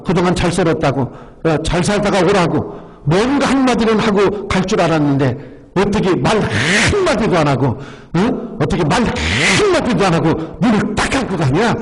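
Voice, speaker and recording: A man's voice: high-pitched, big pitch swings, normal speed. A man putting on an indignant old widow. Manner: exasperated, demanding. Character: indignant elderly widow scolding her son. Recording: long church-hall reverb.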